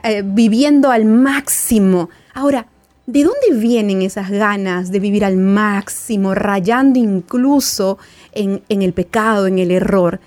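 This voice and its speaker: A woman's voice: medium pitch, unhurried, a little mellow. A woman psychologist giving Christian relationship advice on a program. She asks many rhetorical questions and plays out her listeners' objections.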